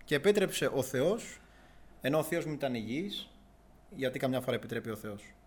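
A young man earnestly recounting a personal religious testimony in a halting, searching way. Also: medium pitch, big pitch swings. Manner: earnest, halting, with restarts and long pauses.

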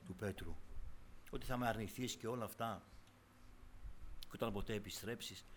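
A man preaching a sermon to his congregation, impassioned, dropping to hushed tones and then rising to loud, fervent exclamations. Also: mid-range voice, slight background noise.

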